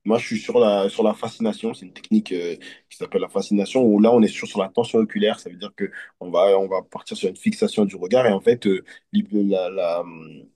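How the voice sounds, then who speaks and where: A man from Côte d'Ivoire, a hypnotist, talking in an earnest, reflective and halting way as an interview guest. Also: lowish voice, fairly even intonation, mellow. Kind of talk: casual interview conversation.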